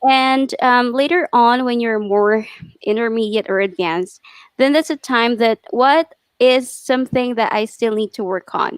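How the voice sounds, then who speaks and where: Speaking at a fairly slow pace, a woman uses a high pitch. The recording is very clean with a silent background, and the sound is dry and close with no echo. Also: ordinary pitch variation. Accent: slight non-native. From Philippines. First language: Filipino (Tagalog). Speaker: English teacher. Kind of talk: live interview chat.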